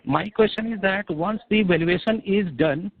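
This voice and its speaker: A man's voice: high voice, moderate pace. Formal Indian male caller, tinny line. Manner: formal, polite. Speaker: caller asking questions on an investor call. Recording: tinny phone line, radio-like.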